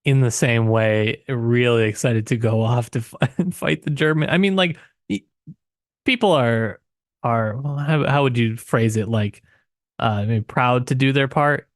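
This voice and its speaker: A man's voice: mid-range voice, measured pace, no room sound, studio quality. A man co-hosting a podcast, talking casually about a book and thinking aloud in an informal way. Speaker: podcast co-host.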